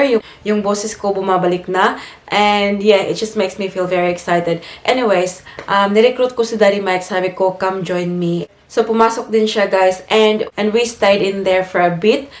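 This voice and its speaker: A woman's voice: medium pitch, fairly even intonation, measured pace, echoey room. A Filipino woman chatting casually to her vlog audience, mixing English into Tagalog, a bit congested from a cold. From Philippines. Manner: chatty, mixes English into Tagalog, laughs while telling stories. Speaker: vlogger. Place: home, indoors.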